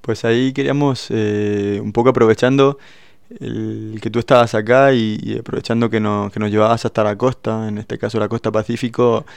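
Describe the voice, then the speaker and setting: A man's voice: lowish voice, little pitch movement, moderate pace, vocal fry, clean tone, no room sound. A man hosting a radio show from a studio, talking in a playful, hesitant way with lots of restarts. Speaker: radio host. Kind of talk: casual radio chat. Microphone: studio microphone.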